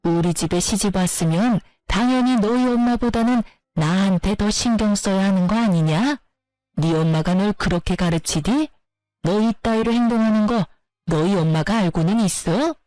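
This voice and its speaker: A woman plays a scornful, bullying older mother-in-law, scolding and insulting her daughter-in-law in a lower, slower voice. The tone stays warm and the voice natural, with a dry recording.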